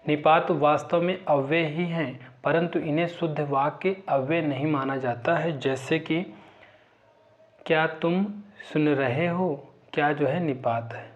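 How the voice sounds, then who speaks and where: A man with a fairly high voice talks through an exam-prep grammar lesson, listing terms and examples in a steady recital and leaning on the filler "जो है". The sound is dull and lo-fi, with the top end missing. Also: a little slow. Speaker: teacher.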